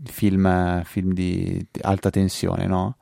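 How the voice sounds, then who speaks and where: An Italian man chats casually as a podcast co-host. His voice is fairly low with a gravelly fry and a slightly soft, dark tone. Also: completely flat delivery, extremely slow, dry recording, clean studio sound. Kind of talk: casual banter.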